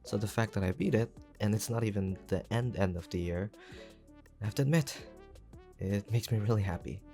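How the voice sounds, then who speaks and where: A man's voice: fairly low pitch, a little fast, dark tone, soft background music. A man who voice acts for his own channel, giving a casual, modest, chatty outro. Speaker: amateur voice actor, channel creator.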